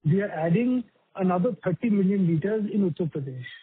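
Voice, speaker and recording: A man with a distinctly high-pitched voice speaks over a narrow phone connection. He answers questions as a company executive, keeping a measured, polite manner. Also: expressive, slightly rough. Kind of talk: conference call answers. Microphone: phone conference call. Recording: tinny narrowband phone line.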